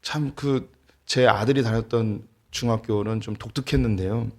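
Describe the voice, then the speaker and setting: A middle-aged man preaching a sermon as a pastor, telling a family story with light humor and plainspoken warmth before turning to the gospel message. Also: on the low side, normal speed. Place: church sanctuary.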